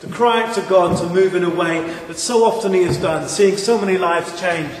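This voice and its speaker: A Welsh pastor from South Wales speaks earnestly and asks rhetorical questions as he introduces a sermon series. His voice sits a little high for a man. He was recorded in a large empty church with a long, roomy echo. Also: moderate pace, distant mic. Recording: echoey church hall.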